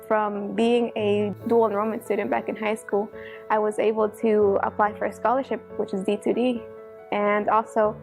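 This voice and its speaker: A woman's voice: a little high, creaky, darkish tone. A young woman from El Salvador, a former student giving an earnest, reflective testimonial with small restarts. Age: young adult. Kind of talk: testimonial interview.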